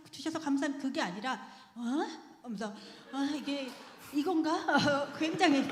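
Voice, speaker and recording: A woman speaks at a slightly high pitch as she gives a personal testimony before the congregation. She tells her story in a lively way and laughs between phrases. Her voice rings through an echoey church sanctuary with a long reverb tail. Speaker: church member giving testimony.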